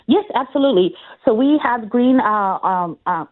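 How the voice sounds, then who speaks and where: A woman's voice: fairly high pitch, expressive, a little slow. A woman speaking as a political candidate on a radio call-in interview, talking earnestly with many fillers and restarts. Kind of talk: phone interview on talk radio. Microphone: phone. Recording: tinny phone line.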